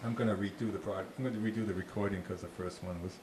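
In a deep, steady voice, a park ranger from Boston races through an informal talk into a handheld mic, taking questions from the audience. He's chatty, restarts often, and drops dry jokes. The setting is a small dark meeting room with a slide screen, and the recording echoes with faint noise.

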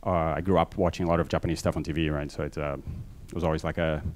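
A man gives a conference talk on a large stage, using a handheld mic. His low voice is a little mellow and his delivery flat, though he rushes along loosely with constant fillers and self-deprecating remarks. He has a Brazilian Portuguese accent blended from living in many countries.

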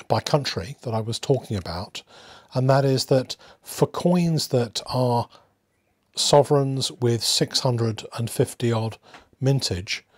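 A man hosting a hobby video in a casual, unscripted way, musing aloud with hesitant pauses. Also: medium pitch, dry recording, studio quality. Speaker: host of a coin collecting channel.

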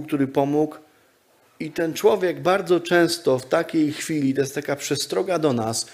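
A male pastor delivering a sermon, driving points home by repeating phrases and swinging between loud and quiet. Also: a little high. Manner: emphatic repetitive preaching, rising and dropping loudness.

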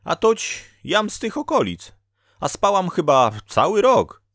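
A man's voice: high-pitched, very animated, a little slow, a bit bright, dry recording, studio quality, pitched above the performer's own voice, heavily acted. A man putting on Dola, a scolding fate spirit. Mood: chatty. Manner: lecturing, reproachful.

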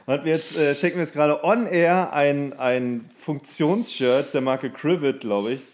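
A man in his thirties co-hosting a podcast in relaxed, informal conversation. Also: a little high, measured pace. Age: 30s. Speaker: podcast co-host. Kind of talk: casual chat.

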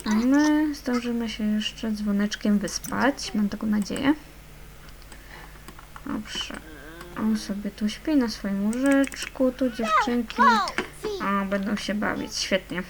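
A woman's voice: on the high side, expressive, slow, noisy background. A young woman hosting a gaming channel, chatting casually over her play and fondly coaxing the little characters along. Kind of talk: casual let's-play commentary.

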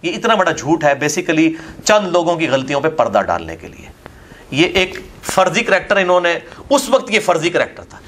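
A man with a high-pitched voice and a Pakistani Urdu accent gives a polemical question-and-answer lecture. He argues forcefully and scornfully, piling up points to knock down a rival's claims. He speaks as a scholar answering questions at an academy. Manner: emphatic, scornful, argumentative.

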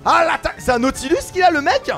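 A man giving excited commentary on a video game he is playing, full of exclamations and shouted battle cries. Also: very high-pitched, quick pace, gravelly, faint music behind. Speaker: gaming YouTuber. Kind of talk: excited let's-play commentary.

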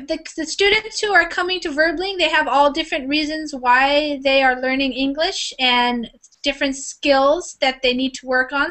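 Woman in her 30s, online English teacher on a headset, higher and bright, friendly. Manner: friendly, encouraging. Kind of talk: casual online class. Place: room at home. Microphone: headset on video call.

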